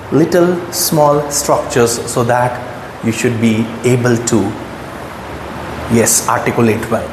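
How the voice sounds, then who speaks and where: A fairly high-pitched male English teacher with an Indian accent delivers an emphatic, motivational lesson, often checking that the listener is following and posing rhetorical questions. He's recorded in an echoey room with long reverb, faint ambience, and some background noise.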